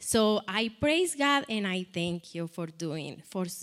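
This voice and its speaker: Recorded very cleanly against a silent background, the speaker talks very slowly with a Colombian accent. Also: woman. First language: Spanish. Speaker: missionary. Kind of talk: church talk. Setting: church.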